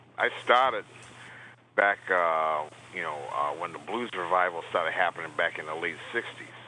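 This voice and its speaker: A man with an American accent has a very deep, low voice. He speaks at a moderate pace over noticeable background noise. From southern Massachusetts. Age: 60s. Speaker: blues harmonica player. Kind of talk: interview. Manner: halting, many fillers.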